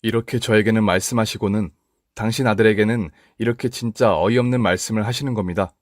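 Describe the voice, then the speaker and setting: A man narrating a first-person radio story in a steady, scripted storytelling manner. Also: lowish voice, fast talker, no echo, clean studio sound.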